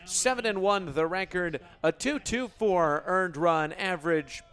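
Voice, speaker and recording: An American man in his twenties calling live baseball play-by-play for radio in a crisp, descriptive announcer delivery. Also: high voice, measured pace, a bit bright. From Illinois, United States. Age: 20s.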